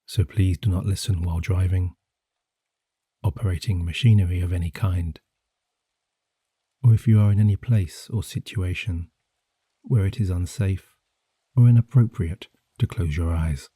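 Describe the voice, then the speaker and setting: A soft-spoken man guiding a sleep hypnosis session in a hushed, soothing, measured way with gently drawn-out phrases. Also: low-pitched, slightly rough, no room sound, studio quality. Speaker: hypnosis and meditation guide. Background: gentle rain sounds.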